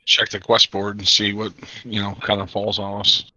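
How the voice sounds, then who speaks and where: A stuffed-up man player making dry, low-key remarks in an online tabletop game, heard through a dull home microphone. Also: monotone, moderate pace, bright, forceful tone. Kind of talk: casual chat during an online tabletop game.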